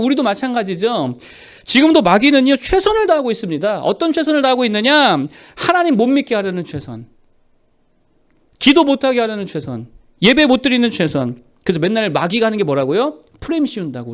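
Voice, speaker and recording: Korean pastor guy preaching hard, lots of rhetorical questions, voice swings all over. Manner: emphatic, asks the congregation rhetorical questions; acts out short quoted voices in a low, quiet tone. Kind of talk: sermon.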